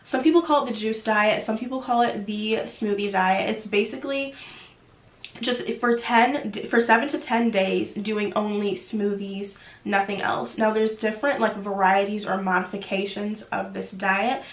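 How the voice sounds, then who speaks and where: A woman's voice: medium pitch, fairly even intonation, normal speed. Young woman, nasal from a cold, chatty vlogger, filler-heavy, echoey room. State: sick, nasal. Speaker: YouTube vlogger. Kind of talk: chatty vlog talk.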